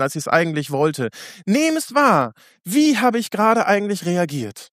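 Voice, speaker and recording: A man with a high voice preaches a sermon, earnest and direct, asking his listeners questions. He sometimes stumbles and restarts a word. The sound is dry and close, with no room echo. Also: a bit bright.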